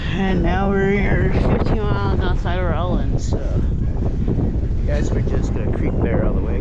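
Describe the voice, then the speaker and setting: The speaker talks at a fairly slow pace over loud background noise. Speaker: train hopper vlogger. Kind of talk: casual vlog chat. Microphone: phone near.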